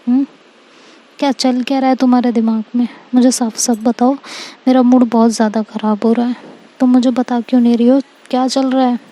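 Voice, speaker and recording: A woman voicing a hurt, insistent young woman who presses with quick questions, in a plain reading voice. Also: on the high side, level tone, warm tone, close to an everyday voice. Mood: pleading.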